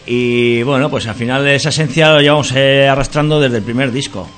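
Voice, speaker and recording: A man's voice: medium pitch, fairly even intonation, a little fast, a bit bright, faint music behind. A man, a band member answering interview questions in a rambling, hesitant way. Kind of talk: casual interview.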